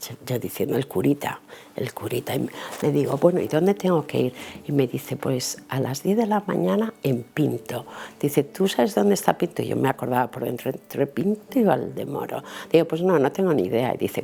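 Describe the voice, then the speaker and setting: A woman's voice: deep voice, vocal fry, dark tone. A middle-aged woman tells a personal faith story, acting out the dialogue vividly. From Italy and Spain. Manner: vivid, acts out dialogue and inner thoughts. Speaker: interviewee giving a faith testimony.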